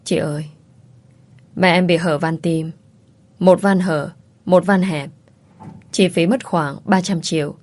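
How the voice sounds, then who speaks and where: A woman voicing a young female student, a devoted, tearful daughter who speaks softly and hesitantly. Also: lowish voice, fairly even intonation, slow, long pauses. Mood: distressed.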